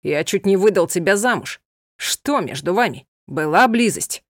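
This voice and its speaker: A woman's voice: mid-range voice, lively intonation, moderate pace, no echo, clean studio sound. A woman voicing a proud, stern young gypsy man who speaks coldly and curtly. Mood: angry. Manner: cold, curt and commanding.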